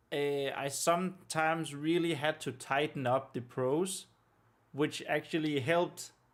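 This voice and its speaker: Speaking at a very slow pace with a Danish accent, a man uses a fairly high pitch and ordinary pitch variation. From Denmark. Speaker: author livestreamer. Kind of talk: casual livestream chat. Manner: halting, many fillers.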